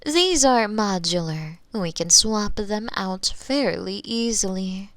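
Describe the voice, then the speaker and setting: A woman playing a smug, menacing female mad scientist in a theatrical ASMR roleplay, condescending and sometimes breathy, close on a binaural microphone. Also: medium pitch, lively intonation, slow, fairly bright tone, no echo. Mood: clinical, absorbed. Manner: theatrical, condescending, sighing, slipping into breathy whispers. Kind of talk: roleplay ASMR monologue, spoken to the listener.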